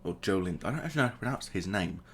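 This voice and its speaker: Low-voiced man doing chatty game commentary. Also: lively intonation, racing, slight background noise. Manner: chatty, commentates play by play with joking asides. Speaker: gaming channel host. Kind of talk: casual let's-play commentary.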